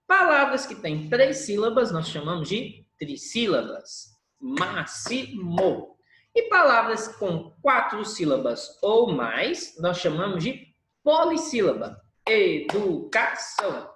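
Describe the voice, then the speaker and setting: Lively woman teacher, echoey room. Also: mid-range voice. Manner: drawn-out syllables to show word stress. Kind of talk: recorded class review lesson.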